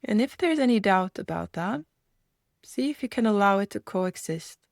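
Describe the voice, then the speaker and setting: A meditation guide gives gentle instruction in a medium-pitched, creaky voice with lively intonation. She speaks unhurriedly, offering soft invitations and pausing to reflect, and the recording is close and dry.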